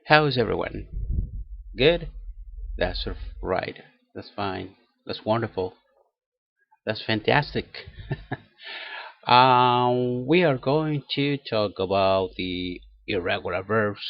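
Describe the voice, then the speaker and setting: Slow-talking man teaching English. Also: fairly low pitch, vocal fry, no echo. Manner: slow, careful, spells words letter by letter. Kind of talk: bilingual language lesson. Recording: dull lo-fi sound.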